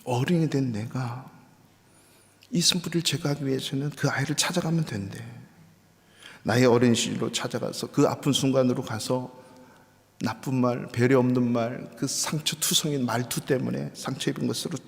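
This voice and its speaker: A middle-aged male pastor with a gravelly, mid-pitched voice preaches a sermon. He tells stories, acts out the voices in them, and sometimes drops to a soft whisper. The church hall around him rings with a long reverb. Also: fairly even intonation, normal speed. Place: church sanctuary.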